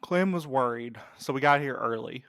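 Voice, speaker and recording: A man's voice: medium pitch, moderate pace, fairly bright tone, no room sound, clean studio sound, lightly acted. Thoughtful, level-headed young courier, played by a man. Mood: concerned. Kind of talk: naturalistic audio drama acting.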